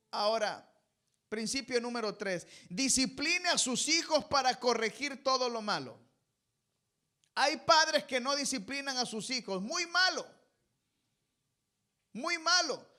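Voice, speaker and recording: A man's voice: extremely high pitch, moderate pace, bright, forceful tone. A man preaching a sermon as pastor. He talks emphatically to his congregation, calls them brothers and has them fill in the ends of his sentences. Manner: emphatic, addresses listeners as brothers.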